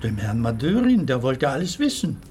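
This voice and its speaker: A man's voice: mid-range voice, big pitch swings, normal speed, darkish tone, slight background noise, natural voice. An actor playing a proud retired plasterer in his seventies in a radio play, telling his family's war story earnestly. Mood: somber. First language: Italian.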